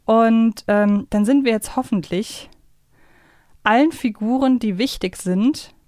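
A woman's voice: fairly high pitch, slow, dark tone, no echo, clean studio sound. A woman co-hosting a casual fan podcast, chatting and musing as she thinks aloud. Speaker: podcast co-host.

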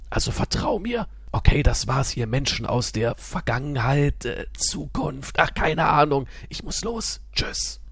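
Male host, comic sponsor read, conspiratorial hush, dry close sound. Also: mid-range voice, no room sound. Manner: conspiratorial, shushing, playful. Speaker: host reading a sponsor spot. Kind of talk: comic ad read as a hushed time traveler.

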